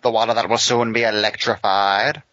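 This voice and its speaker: A low-pitched, theatrical villain, put on by a man, pompous and menacing, savoring each threat. The sound is dry and a little dull. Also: level tone, moderate pace, a bit bright, no room sound, lightly acted. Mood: smug menace. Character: menacing, pompous villain taunting a trapped victim.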